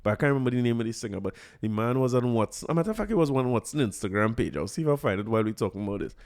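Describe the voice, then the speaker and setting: A man's voice: mid-range voice, animated, racing, a little mellow. A man with a Trinidadian accent hosting a podcast, talking casually and joking with frequent laughs and repeated words. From Trinidad and Tobago. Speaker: podcast host. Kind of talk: casual solo commentary.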